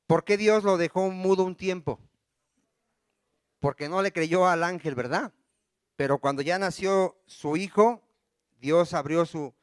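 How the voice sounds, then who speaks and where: High-voiced preacher quizzing his congregation. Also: no echo, clean studio sound. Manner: quizzes the congregation with rapid questions; reads scripture aloud and breaks off mid-verse to prompt listeners. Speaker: pastor. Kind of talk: sermon.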